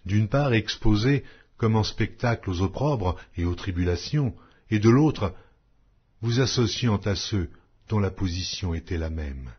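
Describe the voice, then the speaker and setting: Male Bible narrator, low husky voice, solemn formal reading, dull muffled recording. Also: expressive, unhurried. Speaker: audiobook narrator reading scripture.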